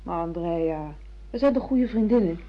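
A woman's voice: lowish voice, lively intonation, moderate pace. A woman acting a self-assured secretary and secret mistress in a Dutch radio play, frank and reproachful as she lectures her boss. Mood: composed. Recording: muffled lo-fi radio play recording.

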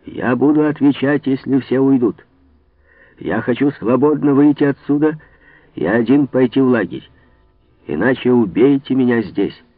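A man's voice: medium pitch, normal speed, no echo, voice pushed up, close to an everyday voice. A man playing a defiant besieged nobleman. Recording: tinny, phone-like, dry.

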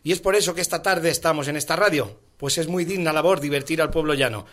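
Bright-voiced man reciting. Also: fairly high pitch, fast talker. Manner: rhythmic, emphatic recitation with colloquial clipped words. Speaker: comedian guest. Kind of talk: rhyming satirical poem recital and radio banter.

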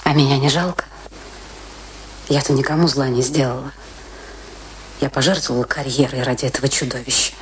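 An actress playing a bitter, gloating, domineering wife with theatrical, biting delivery in a radio play. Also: female voice, a bass voice, steady tone, brisk, long pauses, slight background noise, rough recording. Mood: indignant.

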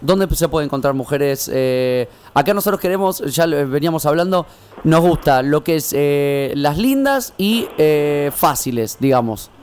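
A man with an Argentine accent, a radio co-host who jokes and teases the guest with quick remarks. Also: on the high side, lively intonation, darkish tone, smooth. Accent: Argentine Spanish. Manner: joking and teasing, quick interjections. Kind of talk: casual joking radio chat.

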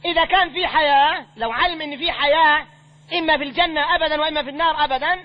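A sheikh teaching a creed text takes recited verses one line at a time, explaining each in plain colloquial speech. He talks very fast in a very high male voice, and the recording sounds dull and lo-fi.

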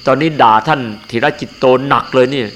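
Casting note: older male monk, earnest emphatic sermon, mid-pitched voice, faint crickets behind. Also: steady tone, fairly quick, fairly bright tone, a little hiss or hum. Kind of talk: dharma sermon.

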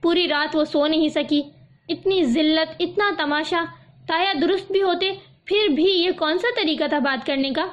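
A woman narrating a novel aloud in a steady storytelling manner. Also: very high-pitched, few pauses. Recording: slightly dull audio.

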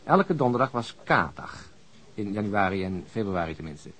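A man's voice: lowish voice, very animated, moderate pace, fairly bright tone, breathy edge, heavily acted. A man acting as a wry, easygoing police detective in a naturalistic radio drama, conversational and drily teasing. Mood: wry, reporting.

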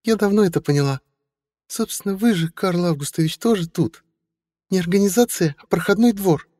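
A man's voice: brisk, dark tone, dry recording, clean studio sound, big-room sound. A man doing a chirpy young witch. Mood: teasing. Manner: chirping, high falsetto. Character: flighty young witch woman, chirpy and playful.

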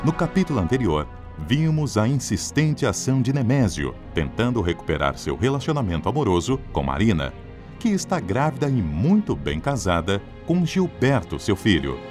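A man's voice: lowish voice, very animated, moderate pace, a little mellow, soft background music. A man with a Brazilian accent announcing a radio drama in a formal, dramatic and emphatic scripted style.

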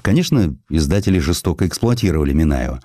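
Male narrator for historical audiobook: low voice, very animated intonation, theatrical storytelling, dry close sound. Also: quick pace, no room sound. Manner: expressive, theatrical delivery. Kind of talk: scripted literary narration of a historical essay, with expressive verse recitation.

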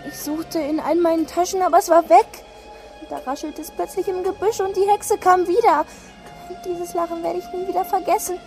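A man's voice: extremely high pitch, steady tone, normal speed, darkish tone, soft background music. A scared young boy Jeremy. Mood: fearful recounting. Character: frightened young boy telling of a witch. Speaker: child character Jeremy. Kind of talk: German radio drama acting.

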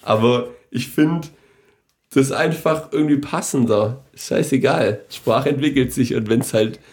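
A man's voice: mid-range voice, measured pace, a little mellow. Opinionated young man ranting in a podcast. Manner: opinionated, rambling, swears casually. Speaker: podcast co-host. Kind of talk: casual chat.

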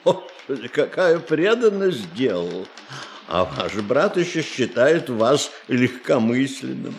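A man acting in a radio play as a courteous, gently ironic banker, speaking in a polite, hesitant and deliberate way. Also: mid-range voice, very animated, vocal fry, a little hiss or hum, heavily acted.

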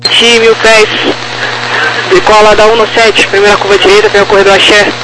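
A male air traffic controller reads clearances in a high, flat voice. The crackly radio channel carries clear hum and noise. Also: a little fast. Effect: crackly radio transmission. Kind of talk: procedural clearance reading. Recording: noisy, humming aviation radio channel.

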